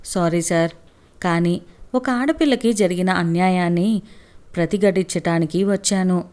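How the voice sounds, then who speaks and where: A woman doing a righteous young man who pleads forcefully and earnestly for justice, in a low, mellow voice. He speaks with steady moral conviction. It is a storybook reading. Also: unhurried, natural voice.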